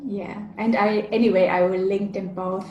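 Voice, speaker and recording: A woman's voice: mid-range voice, fairly even intonation, moderate pace, a little mellow, dull audio, slight background noise. A woman, a language teacher hosting a casual interview, giving earnest advice while thinking aloud. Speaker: language teacher and channel host. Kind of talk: casual video-call interview. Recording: roomy echo.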